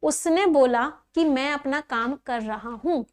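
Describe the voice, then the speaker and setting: Teaching a grammar class in an unhurried way, this woman has a high, bright-toned voice. She breaks every rule down step by step, restates the key points, and frequently asks if anything needs clarifying.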